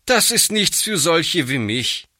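A man's voice: fairly high pitch, big pitch swings, slow pace, pushed and bright, dry recording, clean studio sound, pitched above the performer's own voice, full character voice. A man reading a storybook aloud, voicing a surly, defiant one-legged boy who grumbles bitterly. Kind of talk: audiobook reading.

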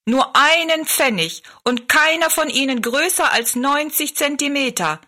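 A loud male showman at a fair, put on by a woman reading aloud, calling out high and slow with drawn-out words. The bright voice pushes forward, a storybook barker.

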